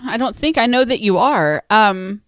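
A woman's voice: medium pitch, lively intonation, normal speed, no room sound, studio quality. A woman in her late thirties co-hosting a podcast in a casual, conversational style. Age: 30s. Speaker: podcast co-host. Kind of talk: casual married-couple chat.

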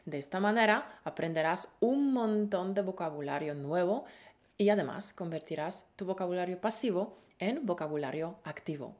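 A woman's voice: on the low side, darkish tone. A woman co-hosting a Spanish-learning podcast, teaching in a playful, encouraging way with pet names. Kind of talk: lively scripted lesson.

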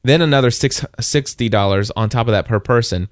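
A man telling a long, animated story in casual chat, acting out the people in it. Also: mid-range voice, brisk, no room sound, clean studio sound. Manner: animated, quotes others in raised voice.

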